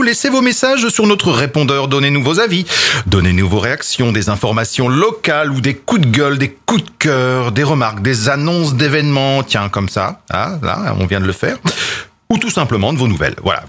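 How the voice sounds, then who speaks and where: A man hosting a live morning radio show, lively with frequent hesitations. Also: mid-range voice, fairly quick. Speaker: radio host.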